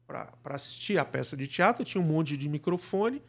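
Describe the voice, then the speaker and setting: A man with a Brazilian Portuguese accent speaks in a slightly high register. He is a guest in a live interview, explaining in a conversational way and often checking in with little tag questions. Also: expressive, brisk, creaky. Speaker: guest, radio drama producer.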